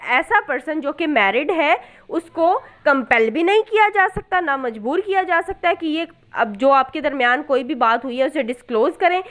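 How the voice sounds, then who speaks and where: A woman with a distinctly high-pitched voice and a South Asian accent teaches law in lecture style. She explains point by point, poses questions and then answers them, and switches into English for technical terms. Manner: explains step by step with rhetorical questions and examples; code-switches between Hindi-Urdu and English terms. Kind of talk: explanatory lecture on statute articles.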